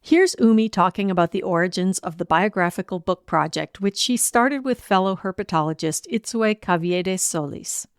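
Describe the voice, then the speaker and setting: A woman host reading scripted podcast narration in a smooth, even delivery. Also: lowish voice, moderate pace, few pauses, dry recording, studio quality.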